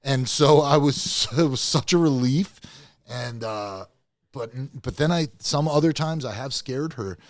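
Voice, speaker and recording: A middle-aged man talking loudly and passionately, with plenty of swearing, as a guest in a casual podcast chat. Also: medium pitch, a little slow, no room sound. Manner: loud, passionate, profane, emphatic.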